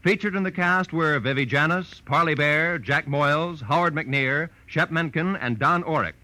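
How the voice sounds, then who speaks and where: A man's voice: on the high side, moderate pace, sharp tone, no room sound, poor audio. An American man announcing scripted credits in formal 1940s radio style.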